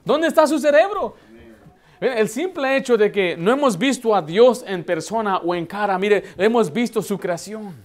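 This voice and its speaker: Brief: male pastor, fairly high voice, emphatic sermon delivery full of rhetorical questions. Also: normal speed, few pauses. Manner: emphatic, asks rhetorical questions and answers them.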